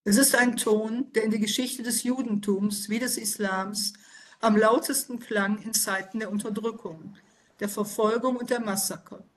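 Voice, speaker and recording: A woman with a somewhat high voice reads an essay aloud in a slow, grave and deliberate way. She then leads a seminar discussion, speaking over a video call. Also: steady tone, rough recording. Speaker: seminar leader.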